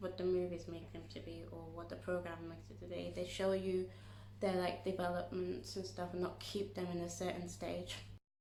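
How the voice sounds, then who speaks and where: Amid noticeable background noise and audible room echo, a woman speaks at a moderate pace with big swings in loudness. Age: 20s. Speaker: YouTuber. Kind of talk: casual vlog chat. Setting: talking to camera. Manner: casual, hesitant.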